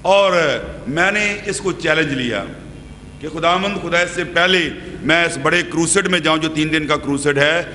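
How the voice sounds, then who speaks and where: A middle-aged male preacher with a high, bright, piercing voice, speaking into podium microphones. He questions his congregation and preaches with sweeping gestures. The sound rings with the long reverb of a church hall, over a faint hum. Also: moderate pace. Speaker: pastor. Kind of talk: sermon. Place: church hall with brick wall, indoors.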